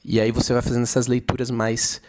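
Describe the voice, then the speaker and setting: A man from Brazil teaching an English lesson, explaining step by step with frequent check-ins and reading example sentences slowly. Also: medium pitch, monotone, darkish tone. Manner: reads English sentences slowly to model pronunciation.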